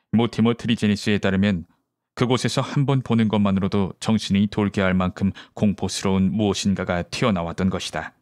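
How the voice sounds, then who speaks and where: A man reading a mystery story as an audiobook narrator in a measured, literary way, recorded at home. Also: on the low side, no room sound, clean studio sound.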